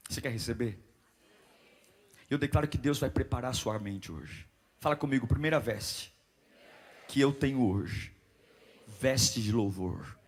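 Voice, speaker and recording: A man around forty preaching a sermon, moving from calm teaching into loud, rhythmic, repetitive exhortation. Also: mid-range voice. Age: 40s.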